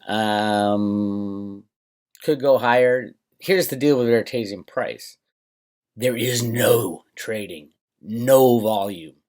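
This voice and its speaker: A man's voice: lowish voice, a little mellow. A man hosting a financial commentary vlog, talking casually and emphatically to viewers with opinionated asides and rhetorical questions.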